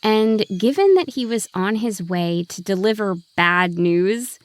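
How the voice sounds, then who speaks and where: Slow, expressive woman storyteller. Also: medium pitch, smooth, dry recording. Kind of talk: scripted children's story narration.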